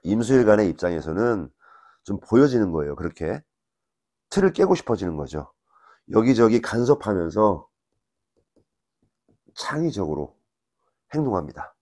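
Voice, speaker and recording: A man teaching fortune-telling, explaining step by step in a measured lecture and asking rhetorical questions as he writes on a board. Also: on the low side, very animated, dark tone.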